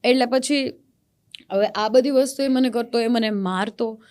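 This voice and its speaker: A young Gujarati woman speaks as a podcast guest, her voice sitting a little high. She tells a hard personal story earnestly and gets animated when she recalls the anger. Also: unhurried.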